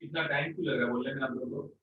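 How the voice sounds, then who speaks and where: A man's voice: medium pitch, steady tone, very fast, narrow, tinny audio. A man teaching a live online electronics class from a studio, his voice bathed in heavy echo and sounding far from the mic. He talks in a firm, blunt way. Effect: heavy echo, as if shouting in a canyon. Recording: echoey, distant studio mic with faint noise.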